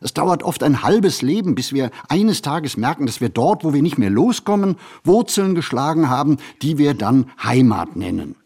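A man reads a reflective literary monologue for a radio play, phrasing deliberately and expressively with pauses. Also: mid-range voice, big pitch swings, darkish tone, breathy edge.

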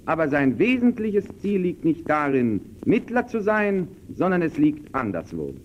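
Earnest radio pioneer: formal, emphatic, fairly high, animated pitch, dull vintage broadcast. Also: male voice, a little slow. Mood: earnest, persuasive. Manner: formal, emphatic, crisply declamatory. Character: earnest male radio pioneer lecturing sceptical guests. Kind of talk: scripted 1920s German radio presentation. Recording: dull, faintly noisy early radio recording.

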